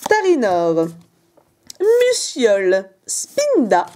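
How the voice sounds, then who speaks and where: A young woman hosting a casual, excited card-opening video, chatty and jokey. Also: on the high side, very slow. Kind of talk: excited casual unboxing commentary.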